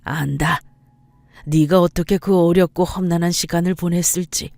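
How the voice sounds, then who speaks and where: A woman voicing the ghost of a gentle, regretful father, speaking slowly and tenderly in a storybook tale. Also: on the low side, fairly even intonation, no room sound, lightly acted. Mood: earnest.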